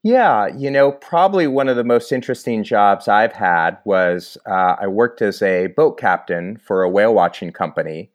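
Easygoing man from New England, lowish voice. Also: expressive. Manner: measured, easygoing, with frequent "you know". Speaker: environmental director, guest. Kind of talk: casual podcast interview.

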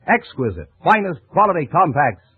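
A man's voice: fairly high pitch, big pitch swings, normal speed, husky, no room sound. An American man announcing in old-time radio style, polished, emphatic and promotional. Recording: tinny old radio broadcast.

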